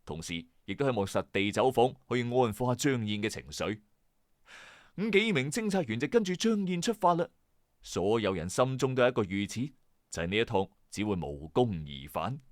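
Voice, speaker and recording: A man's voice: medium pitch, dry recording, clean studio sound. A man with a Hong Kong Cantonese accent tells a scripted true-crime mystery in a dramatic, suspenseful storyteller's manner, with colloquial asides. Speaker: storyteller and host of a late-night mystery story channel.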